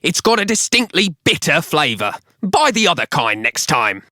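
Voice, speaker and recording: A man's voice: on the high side, big pitch swings, normal speed, bright, forceful tone, no echo, studio quality, pitched above the performer's own voice, heavily acted. A man voicing a grumpy, dim old husband in a children's audiobook, grumbling and exaggerated.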